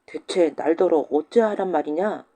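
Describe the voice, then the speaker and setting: A woman voicing a stern widowed village schoolmaster with a gruff, old-fashioned way of scolding, in a folktale audiobook. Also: deep voice, moderate pace, dark tone.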